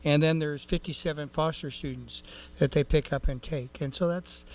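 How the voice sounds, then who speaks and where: A man's voice: on the high side, fairly even intonation, normal speed. A man giving a rambling, folksy report at a city council meeting, with many fillers and restarts. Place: council chamber.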